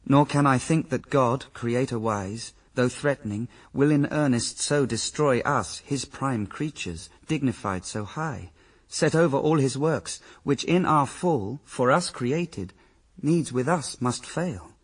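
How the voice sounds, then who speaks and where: A devoted, resolute first man in a radio verse drama. He speaks slowly and gravely, with a breathy husk in his voice. He sits a little back from the mic. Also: mid-range voice, lively intonation, distant mic. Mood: resigned, resolute. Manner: grave, solemn, measured verse delivery.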